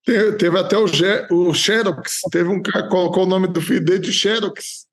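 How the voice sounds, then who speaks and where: A man's voice: high-pitched, fairly even intonation, moderate pace. A man with a Brazilian accent hosting a podcast in a conversational way, chipping in to prompt his guest. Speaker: podcast host, pastor. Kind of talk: conversational interviewing.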